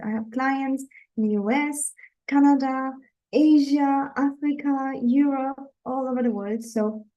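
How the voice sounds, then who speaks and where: Woman from Germany, dating coach, live webinar, fairly high voice, mellow tone, earnest. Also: poor audio.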